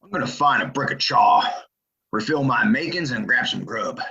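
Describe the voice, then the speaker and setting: A man playing a gruff, menacing frontier colonel in an audio play, rough, blunt and folksy, on a dull lo-fi microphone. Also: mid-range voice, animated, normal speed, sharp tone. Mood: gruff, threatening. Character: gruff, menacing Old West colonel, tobacco-chewing gunman.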